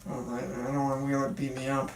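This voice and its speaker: A man's voice: mid-range voice, monotone, quick pace, a little hiss or hum. A man reading casual dialogue in an amateur table read. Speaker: table read participant playing a young film student. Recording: echoey room, distant mic.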